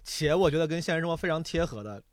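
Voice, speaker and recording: A man's voice: fairly high pitch, expressive, racing, dry recording, clean studio sound. A man on a podcast chatting casually about books, colloquial and mildly profane. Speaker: podcast panelist.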